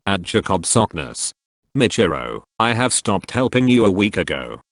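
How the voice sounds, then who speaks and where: A man's voice: fairly low pitch, very animated, normal speed, no room sound, clean studio sound. A man reading social media posts aloud, speaking every handle and symbol out literally.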